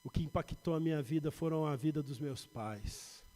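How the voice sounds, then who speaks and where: A man with a São Paulo Brazilian accent preaching a sermon as pastor, building to emphatic points and dropping to quiet asides. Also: fairly high pitch, normal speed. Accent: Brazilian Portuguese, São Paulo. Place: church sanctuary. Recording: reverberant church hall.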